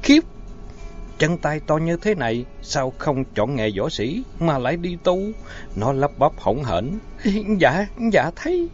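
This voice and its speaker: A man's voice: fairly high pitch, measured pace. Man narrating a story expressively. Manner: expressive, dramatic reading. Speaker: audiobook narrator. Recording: dull lo-fi audio, faint music.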